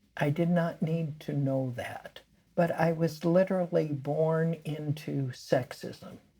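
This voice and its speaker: A woman's very deep, low pitch with an American accent, very slow pace and fairly even intonation, plus noticeable background noise. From US West Coast, Los Angeles area. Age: 80s+. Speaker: minister and spiritual director. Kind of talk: personal interview, life story.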